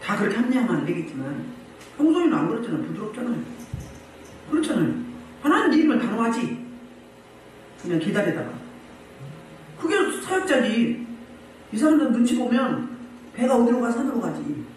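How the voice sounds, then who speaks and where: Male pastor, sermon; high animated voice, emphatic, heard from a distance with faint background noise. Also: fairly quick, long pauses. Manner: emphatic, lively preaching with many rhetorical questions. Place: church meeting room. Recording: very echoey room, voice from afar, faint noise.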